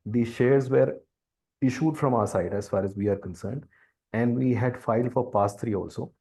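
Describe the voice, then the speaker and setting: A man speaking as a company executive on an earnings call, explaining in a halting, deliberate way. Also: mid-range voice, warm tone. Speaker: company executive answering investor questions. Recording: conference call audio.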